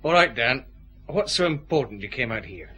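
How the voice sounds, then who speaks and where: An actor playing a firm, brisk detective chief inspector questioning people in a radio drama. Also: male voice, medium pitch, sing-song, sharp tone, husky, exaggerated voice. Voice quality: terse, questioning. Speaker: police detective.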